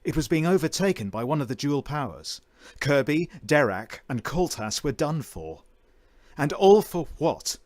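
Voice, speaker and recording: A man's voice: a little high, big pitch swings, a little slow, a little mellow, no room sound, clean studio sound. A man reading fiction aloud as a voice-over narrator, with theatrical, emphatic storytelling.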